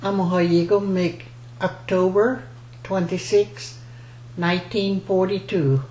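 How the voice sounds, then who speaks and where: Slow-speaking older woman. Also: fairly low pitch, fairly even intonation, darkish tone. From rural Louisiana, United States. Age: 70s or older. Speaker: basket maker interviewee. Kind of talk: oral history interview, personal recollection. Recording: roomy echo, faint background noise.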